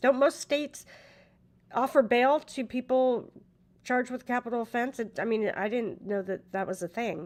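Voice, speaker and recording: A high-pitched woman at a moderate pace, with ordinary pitch variation and a very clean recording over a silent background. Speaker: true crime livestream host. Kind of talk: reading news articles aloud with commentary. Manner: stumbles and repeats words while reading.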